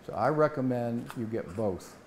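Mellow-voiced older man, instructional. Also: medium pitch, expressive, normal speed, slight background noise. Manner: plain-spoken, explanatory. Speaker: welding instructor. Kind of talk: instructional demonstration to camera. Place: indoor workshop set, standing before a tool board.

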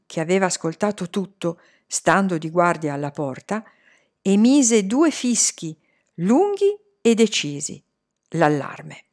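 A woman reading a children's story aloud, gentle and measured. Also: medium pitch. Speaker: reader.

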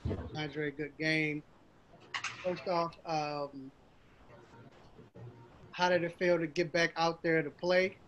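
A man's voice: fairly high pitch, fairly even intonation, slow pace, long pauses, a bit bright, lo-fi sound, a little hiss or hum. A man working as a reporter, asking conversational questions over a remote call. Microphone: remote video call.

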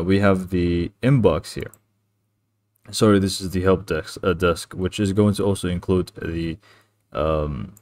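A man presenting a casual, improvised software tutorial, explaining things loosely with a hesitant, rambling delivery. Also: low-pitched, no echo.

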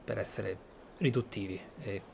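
A man with an Italian accent giving casual, reflective game commentary in short phrases with pauses. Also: on the low side, steady tone, creaky, background noise. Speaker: gaming YouTuber.

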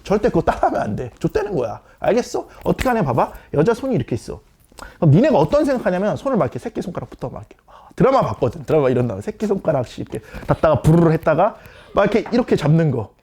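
Brash male dating coach, 30s, rapid and animated delivery, talks down to his students like an older brother. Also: a little high, husky. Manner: blunt, swaggering big-brother tone, peppered with slang and "okay?" checks. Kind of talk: casual lecture to young men.

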